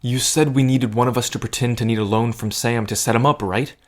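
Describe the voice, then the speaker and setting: A man's voice: mid-range voice, steady tone, fairly quick, lightly acted. A man acting in an audio drama as a protective, wry cousin in a gambling scheme, talking in an earnest, conversational way. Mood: firm, persuasive. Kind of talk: scripted audio drama acting, addressed to the listener.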